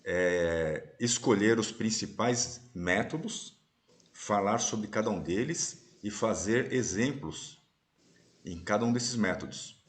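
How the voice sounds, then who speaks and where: A man with a very low voice hosts a relaxed live-stream conversation over a video call. He explains patiently and keeps asking his listeners whether they are following. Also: takes it slowly. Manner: explanatory, often ending sentences with "né?". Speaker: host and course instructor. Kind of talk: casual live-stream chat.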